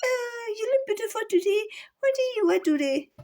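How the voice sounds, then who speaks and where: A woman voicing an overly sweet, gushing female store clerk in a high, soft, breathy voice with a tearful wobble. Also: animated. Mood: mocking sweetness. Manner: drawn-out, syrupy over-politeness.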